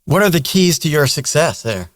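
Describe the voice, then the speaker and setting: An American man with a fairly high voice hosts a casual podcast interview. He talks in a relaxed, conversational style, recorded dry and close. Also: moderate pace, no room sound. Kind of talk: casual chat.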